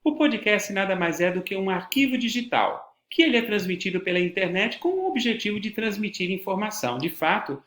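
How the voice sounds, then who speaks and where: A man's voice: high voice, lively intonation, a little fast, few pauses, a bit bright. Formal Brazilian man lecturing in echoey room. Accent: Brazilian Portuguese. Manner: formal, didactic, stresses words for emphasis. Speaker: teacher. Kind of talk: educational lecture on voice and podcasting.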